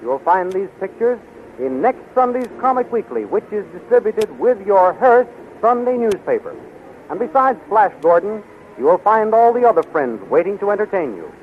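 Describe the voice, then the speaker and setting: A man's voice: high-pitched, sing-song, normal speed. A man announcing and narrating a scripted 1930s radio serial in a dramatic, emphatic manner. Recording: tinny, noisy 1930s radio recording.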